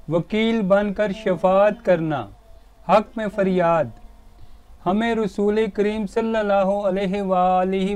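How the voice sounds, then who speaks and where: Guy with a high voice slowly going thru word pronunciations, soft guitar music behind. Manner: measured, formal and courteous. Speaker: Urdu pronunciation teacher. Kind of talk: slow formal word-by-word pronunciation lesson.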